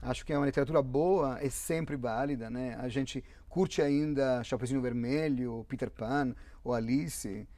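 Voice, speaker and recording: A man in his fifties from Italy, speaking with an Italian accent, muses aloud as a guest author in a reflective interview, often restarting sentences and using fillers. His mid-range voice has a dark tone, and he talks at a normal speed with few pauses and no echo.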